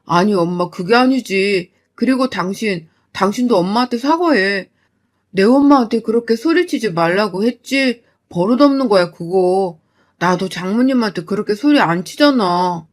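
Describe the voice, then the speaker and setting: A woman's voice: medium pitch, expressive, moderate pace, lightly acted. Woman playing an exasperated young husband. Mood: defensive. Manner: pleading, defensive.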